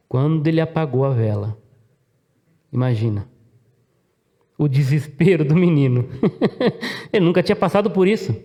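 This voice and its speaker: Brazilian pastor preaching with rising intensity. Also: male voice, on the high side, darkish tone. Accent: Brazilian Portuguese. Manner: rhetorical questions to the congregation, dramatic voiced quotes. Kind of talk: sermon.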